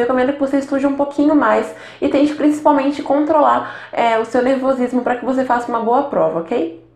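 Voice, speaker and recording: With noticeable background noise and audible room echo, a woman talks at a fairly quick pace in a high voice with ordinary pitch variation. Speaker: education YouTuber. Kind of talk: tutorial.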